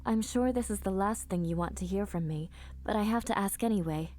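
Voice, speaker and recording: A woman playing a careful, concerned school counselor in an audio drama, gently probing and reassuring. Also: mid-range voice, brisk, natural voice.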